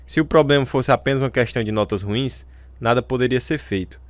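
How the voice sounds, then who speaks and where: An actor in a radio drama playing a supportive, straight-talking baseball coach. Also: male voice, mid-range voice, quick pace, no room sound, close to an everyday voice. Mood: encouraging, firm.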